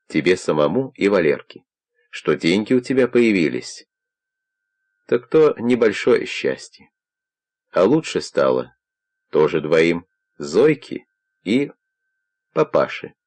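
A man reading the part of a calm, kindly older investigator who questions in a persuasive, probing way. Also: low voice, full character voice.

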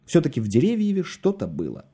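A man's voice: a little high, wildly swooping pitch, quick pace, warm tone, breathy edge. A man narrating an ironic first-person story as an audiobook, in a wry, dry-humored storytelling manner.

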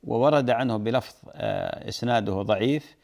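Brief: brisk male sheikh, fast delivery, repeats rulings to drive them home. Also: mid-range voice, vocal fry, darkish tone. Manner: explanatory, repeats key points for emphasis. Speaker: sheikh answering listeners' religious questions. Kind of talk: religious Q&A answers.

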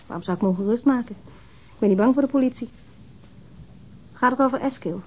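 An actress playing a guarded, halting, middle-aged widow in a naturalistic radio drama. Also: female voice, a little high, warm tone, husky, muffled recording. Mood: wary, defensive. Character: guarded, widowed older housewife who minds children.

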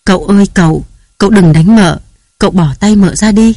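A man's voice: high voice, a little fast, dark tone, no room sound. A man reading aloud who voices a timid old woman servant, humble and beseeching.

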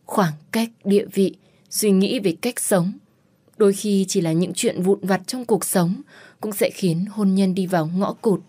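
A woman narrating a first-person novel in a sorrowful, measured way. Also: medium pitch, dark tone, breathy edge. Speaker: audiobook narrator.

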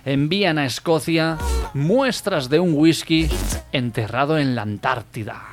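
A man's voice: a little high, unhurried, faint music behind. A man hosting a radio comedy show and telling jokes full of quoted dialogue. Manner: tells jokes in quoted dialogue, then laughs.

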